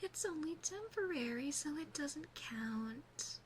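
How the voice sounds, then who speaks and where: Woman as slow, high-voiced soft demon sister. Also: animated, a little hiss or hum, poor audio. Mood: sheepish, coaxing. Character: obsessive, doting female demon sister, playfully menacing. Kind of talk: ASMR roleplay. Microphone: close binaural microphone.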